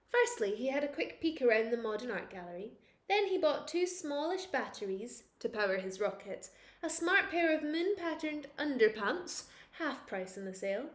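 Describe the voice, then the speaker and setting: Woman, children's storybook reading, very lively melody, expressive, roomy echo. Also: high voice. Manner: expressive, playful, exclaiming over pictures. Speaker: teacher reading a picture book aloud to children.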